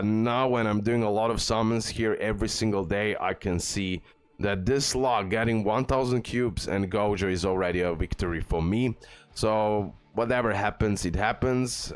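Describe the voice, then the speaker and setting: Low-voiced man casually hosting a gaming video. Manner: informal, often says bro and okay. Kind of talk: casual game guide commentary.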